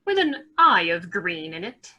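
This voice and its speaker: A woman playing a mocking, sharp-tongued scheming lord in a Shakespeare radio play, with a dry sarcastic delivery. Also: lowish voice, sing-song, unhurried, heavily acted.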